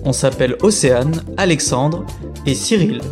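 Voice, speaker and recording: A man's voice: on the high side, animated, moderate pace. A man hosting a podcast, reading a scripted introduction in a friendly, upbeat way. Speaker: podcast host. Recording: clear music underneath.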